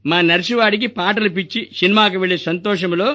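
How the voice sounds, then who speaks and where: A man performing a comic hospital sketch, bossy and mocking in rapid back-and-forth banter. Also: high voice, fairly even intonation, sharp tone. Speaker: comic actor playing a corrupt hospital doctor.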